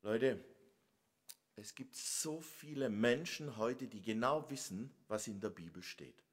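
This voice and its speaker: A man's voice: medium pitch, slow, breathy edge. A middle-aged man from the northern Black Forest with a Swabian accent, preaching a sermon. He speaks emphatically and asks his listeners rhetorical questions. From Germany, northern Black Forest.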